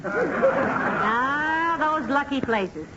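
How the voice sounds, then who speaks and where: Wry radio-comedy wife, very high voice, hissy old broadcast. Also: female voice, animated, drawn-out words, lo-fi sound, full character voice. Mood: dry. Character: Molly, a sensible wry wife. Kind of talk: 1940s radio comedy acting.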